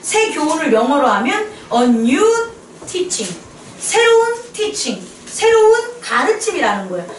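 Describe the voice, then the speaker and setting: A woman's voice: high-pitched, big pitch swings, unhurried, slight background noise. A woman preaching a sermon in a small church, often asking questions of her listeners and mixing in English phrases. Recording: echoey room, voice a bit far from mic.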